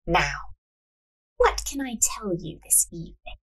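A woman voicing a calm, cryptic female fortune teller in a read-aloud story, speaking slowly and knowingly. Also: on the low side, breathy edge, full character voice. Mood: cool, inviting.

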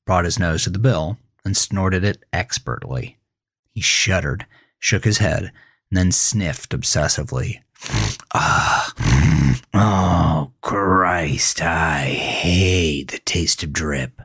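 A man narrates thriller fiction in a low voice full of creak and husk. The scripted delivery is dramatic, recorded very dry. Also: dry recording. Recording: close dry voice over faint music. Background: faint music.

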